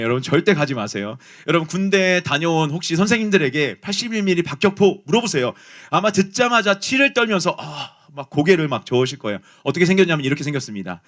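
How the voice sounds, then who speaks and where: A man preaching a youth sermon, telling a personal story and speaking straight to his listeners. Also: on the high side. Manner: animated storytelling, addresses listeners directly. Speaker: pastor.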